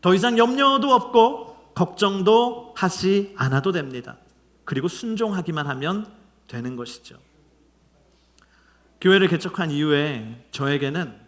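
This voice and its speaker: A man's voice: high voice, big pitch swings, a little slow, long pauses. A middle-aged male pastor preaching a sermon, telling a personal story with acted prayers and quotes, dropping at times to a near-whisper. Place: church sanctuary.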